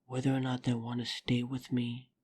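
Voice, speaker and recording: A woman playing a wounded, earnest vampire in an audio drama, speaking sincerely and haltingly over background noise. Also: extremely low pitch, completely flat delivery, darkish tone. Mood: earnest, pleading. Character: earnest, wounded female vampire on trial, in love. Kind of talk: dramatic audio roleplay acting.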